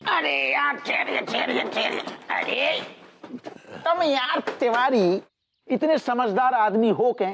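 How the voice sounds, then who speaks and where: An actor playing a jovial small-town police inspector, drawling rustic banter. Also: male voice, very high-pitched, slow, vocal fry, fairly bright tone, a little hiss or hum, exaggerated voice. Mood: jovial teasing.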